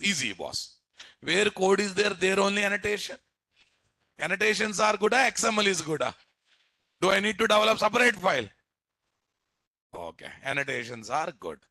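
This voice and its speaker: In a live classroom lecture, a male programming instructor with a Telugu Indian English accent berates his students bluntly, saying things more than once and posing rhetorical questions. His high voice is creaky, pushed and bright, with no echo in the recording.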